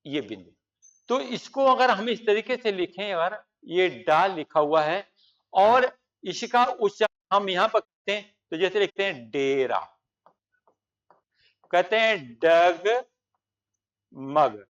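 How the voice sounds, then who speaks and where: A man's voice: sits high, animated, measured pace, a bit bright, recorded from a distance, highs cut off. A man teaching a grammar lesson for exam preparation, explaining at length and pointing out examples on the board.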